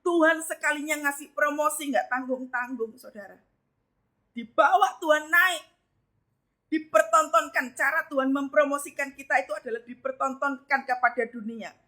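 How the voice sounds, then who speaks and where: A woman's voice: high-pitched, a little fast, hardly any pauses, sharp tone. A woman preacher giving a live devotional sermon, emphatic and often addressing her listeners directly. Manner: emphatic, repeatedly addressing listeners as brothers and sisters.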